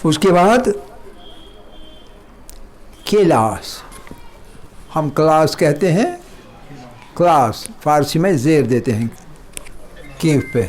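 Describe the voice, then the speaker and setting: A middle-aged man teaching a Persian lesson, repeating words slowly and explaining them in a mix of Hindustani and English. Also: a little high, animated, darkish tone. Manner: slow, drawn-out repetition of words. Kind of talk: slow classroom lesson.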